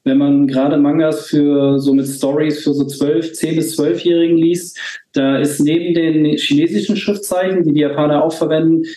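A man in his forties from Germany talks as a podcast guest, pausing often and restarting his sentences. His voice is mellow and dark. The room around him is noticeably echoey. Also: a little high, little pitch movement. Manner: hesitant, many fillers and restarts. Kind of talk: casual conversation.

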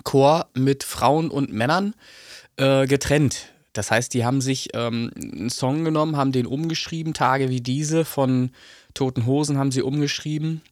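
A man's voice: medium pitch, moderate pace, a little mellow, dry recording, studio quality. A man co-hosting a casual podcast, talking with some hesitation and lots of fillers. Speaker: podcast co-host; sound engineer. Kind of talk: casual chat.

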